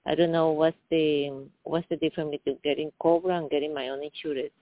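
A woman in her fifties calling in, talking haltingly with many fillers. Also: low-pitched, steady tone, no echo. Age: 50s. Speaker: caller. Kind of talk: phone-in call. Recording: tinny phone line.

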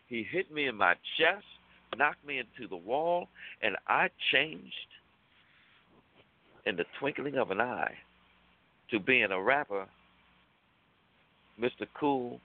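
A man co-hosting a call-in talk show, telling a personal story in a lively, colloquial way and acting out the lines he quotes. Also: medium pitch, no room sound. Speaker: radio talk show co-host. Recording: tinny phone-line sound, dry.

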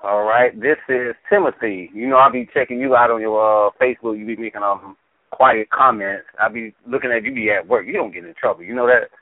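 A man's voice: mid-range voice, steady tone, fairly quick, no room sound. A man from Trinidad and Tobago with a Trinidadian accent calling into a talk show, casual and friendly. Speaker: caller. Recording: dry tinny phone line.

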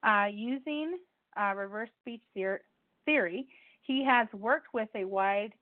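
A woman's voice: a little high, slow pace, no room sound. A woman whose first language is Spanish hosts a call-in radio show in a chatty way, repeating details and stumbling over her words. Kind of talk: casual call-in radio hosting. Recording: tinny phone line, dry.

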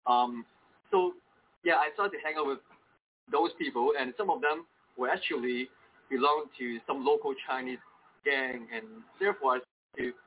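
A young man from Hong Kong with a Cantonese accent, telling his story as an interview guest, halting and restarting often. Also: medium pitch. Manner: halting, many restarts and repeated words. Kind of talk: personal testimony in an interview. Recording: tinny phone-like sound with faint noise.

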